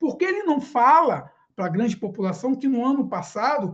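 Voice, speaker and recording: This man speaks at an extremely high pitch. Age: 40s. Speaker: podcast co-host. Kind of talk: casual political discussion.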